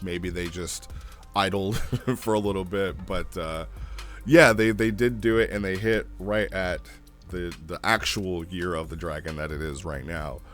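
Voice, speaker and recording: Male reviewer, lowish pitch, loose off-the-cuff delivery that wanders, music underneath. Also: fairly bright tone. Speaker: host reviewing a text role-play log. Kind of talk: casual unscripted commentary.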